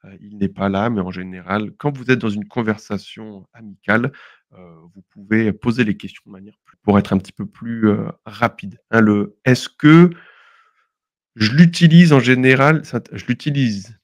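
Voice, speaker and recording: A man's voice: lowish voice, fairly even intonation, moderate pace, no room sound. A young man from southwest France talks through everyday expressions in a casual podcast lesson. He explains patiently and breaks into laughter often. His tone stays friendly and conversational. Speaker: French teacher, podcast co-host.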